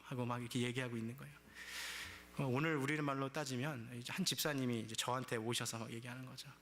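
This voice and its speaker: A man's voice: mid-range voice, steady tone, fast, fairly bright tone. A male pastor preaching a sermon, telling the story vividly and acting out complaints in quoted speech.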